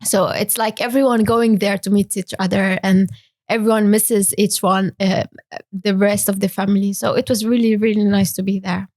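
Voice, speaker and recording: Young woman from Syria, interview guest, halting delivery, dry sound. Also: medium pitch, fairly even intonation, a little mellow, dry recording. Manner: hesitant, many fillers and restarts. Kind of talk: interview talk.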